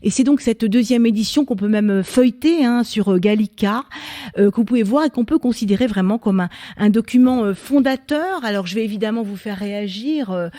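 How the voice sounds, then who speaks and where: A woman's voice: on the high side, brisk, warm tone. A woman moderating a public science debate, presenting her guests and topic with frequent fillers. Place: French national library event.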